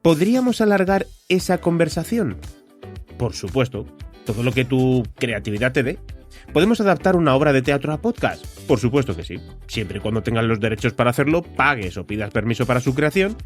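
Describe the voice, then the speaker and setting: Spanish man podcasting, animated intonation. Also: medium pitch, fairly quick, faint music behind. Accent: Spain. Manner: direct address to listener with rhetorical questions. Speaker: podcast host. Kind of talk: conversational solo podcast monologue.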